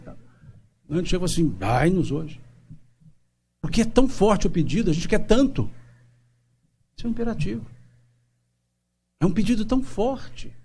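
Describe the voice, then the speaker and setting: A man giving a seminar talk at a spiritist center, animated, acting out little everyday dialogues. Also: sits high, vocal fry, a little hiss or hum. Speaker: spiritist lecturer. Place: lecture hall at a spiritist center.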